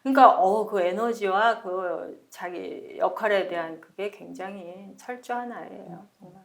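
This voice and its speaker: A woman's voice: medium pitch, a little slow, creaky. An older woman from Seoul chats casually as a guest on an interview show. She tells stories with animation, slipping into other voices for quoted lines and laughing often. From Seoul, South Korea. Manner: lively storytelling, acts out quoted dialogue, laughs often. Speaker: actress, guest.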